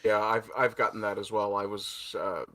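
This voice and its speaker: Low-voiced, bright Canadian man. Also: flat delivery, moderate pace. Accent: neutral, posh-sounding Canadian. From Newfoundland, Canada. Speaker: podcast co-host. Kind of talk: casual podcast chat.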